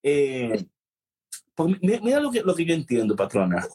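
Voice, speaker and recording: A man co-hosting a casual Bible discussion, animated and full of restarts, mixing English phrases into his Spanish. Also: fairly high pitch, normal speed, slight background noise. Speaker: co-host of a Bible talk show.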